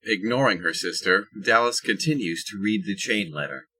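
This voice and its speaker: A man's voice: fairly low pitch, moderate pace, sharp tone, slightly rough, poor audio. A man reading scripted narration as the narrator of an audio drama.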